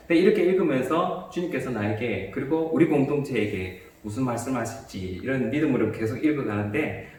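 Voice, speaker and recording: Priest explaining, echoey and distant. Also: male voice, medium pitch. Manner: calm, explanatory, with small restarts. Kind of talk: explaining a bible commentary in a chat.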